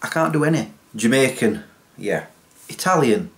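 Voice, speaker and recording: A man, chatting casually to camera in a self-mocking, animated way from a small home office. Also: medium pitch, moderate pace, creaky, a little hiss or hum. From England. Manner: self-mocking, animated, waves hands while talking. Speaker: YouTuber. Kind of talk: casual vlog chat to camera.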